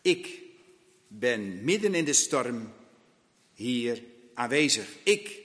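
A man preaching a sermon, emphatic and repetitive, with long dramatic pauses between words. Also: medium pitch, sing-song, fairly bright tone, in a large hall.

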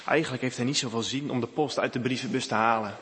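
A man reading a children's story aloud in a clear, expressive way. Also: medium pitch, fast. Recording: echoey room with faint hiss.

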